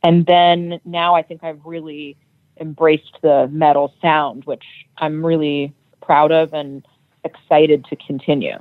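A woman's voice: sits low, fairly even intonation, a little slow, no room sound. A woman who sings in a metal band, speaking as an interview guest, chatty and often restarting her sentences. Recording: tinny phone-like line.

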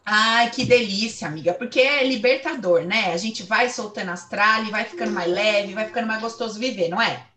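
A woman in her thirties with a Brazilian accent, giving a blunt, animated motivational talk and swearing freely. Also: mid-range voice, brisk, hardly any pauses, echoey room. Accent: Brazilian Portuguese. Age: 30s. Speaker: host and coach.

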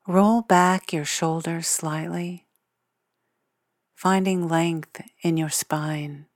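A woman leading a guided meditation in a soothing, measured way, leaving long pauses between phrases. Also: lowish voice, fairly even intonation, no echo, studio quality. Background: meditation music with singing bowls.

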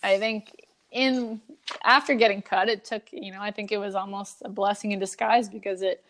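A woman's voice: medium pitch, steady tone, normal speed, fairly bright tone. A young adult woman from Canada, a guest telling her story in a casual, chatty way, laughing often and saying "like" and "you know" a lot. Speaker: guest, Olympic hockey player.

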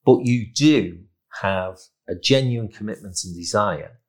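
A man with a fairly low voice hosts a business podcast. He speaks emphatically, with a salesman-like push in his delivery as he presents. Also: measured pace. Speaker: podcast host. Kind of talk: podcast interview and promotional announcements.

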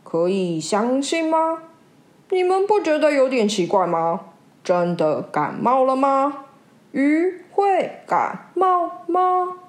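A woman's voice: sits high, sing-song, slow pace, voice pushed up, heavily acted. A woman voicing a clever black fish in a children's story, asking earnest questions. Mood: questioning.

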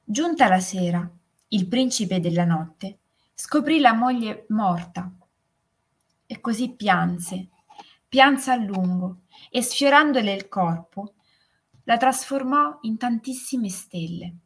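A woman narrating a fairy tale in a calm, soothing way. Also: medium pitch, slightly rough. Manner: slow, soothing, gently emphatic. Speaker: storyteller.

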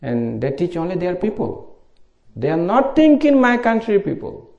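Bangladeshi monk giving a retreat talk, gravelly and relaxed, simple english, middle-aged man. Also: sits high, moderate pace, lo-fi sound. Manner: informal, simple English, chuckles as he teaches. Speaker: Buddhist monk, meditation teacher.

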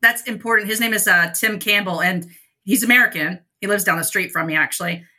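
A woman's voice: mid-range voice, brisk, bright, forceful tone. A woman guest author chatting casually on a podcast, talkative and self-deprecating.

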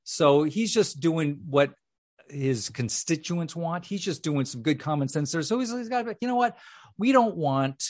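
A man's voice: fairly high pitch, expressive, unhurried, no room sound, clean studio sound. A man co-hosting a casual political talk show, rambling with many restarts and fillers. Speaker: co-host.

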